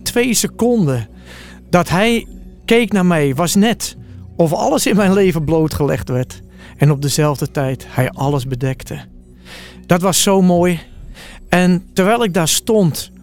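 Earnest high-voiced male storyteller. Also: darkish tone. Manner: vivid, earnest eyewitness telling. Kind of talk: first-person dramatic Bible storytelling.

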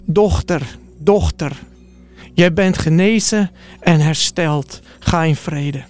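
A man voicing a gentle, loving male teacher who speaks softly and calmly. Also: on the high side, faint music behind. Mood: tender. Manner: soft, calm and unhurried.

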